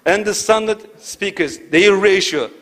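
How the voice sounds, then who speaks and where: Male academic speaker, fairly high voice, lecturing in an auditorium, rhetorical, keeps checking in with listeners. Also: a little slow. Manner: rhetorical, checks in with "right?" and "you see". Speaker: conference speaker.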